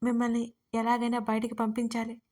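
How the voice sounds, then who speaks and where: A woman voicing a frightened, tearful young servant woman who pleads in a hushed, urgent way in an audio story. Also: on the high side, monotone, a little fast, lightly acted. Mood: pleading.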